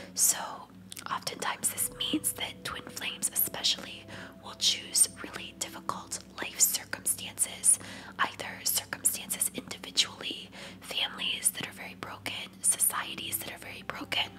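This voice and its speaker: A woman whispers at a moderate pace with big swings in loudness over noticeable background noise. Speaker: tarot reader and spirituality YouTuber. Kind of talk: ASMR tarot reading. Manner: whispered.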